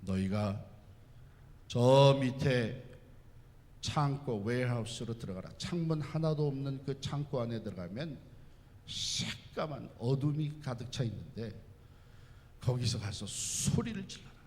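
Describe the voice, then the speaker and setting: A man's voice: mid-range voice, animated, a little slow, a little mellow, close to an everyday voice. Old rabbi teacher, firm and instructing; a man plays him, echoey hall. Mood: commanding. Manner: instructing, commanding.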